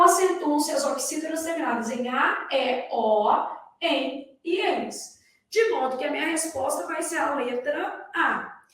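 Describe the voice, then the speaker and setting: A woman with a Brazilian accent who teaches grammar to exam candidates. She explains in a didactic way and keeps asking her class rhetorical questions. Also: high-pitched. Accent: Brazilian Portuguese. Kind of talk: recorded lecture for exam candidates. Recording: echoey room, voice far from the mic.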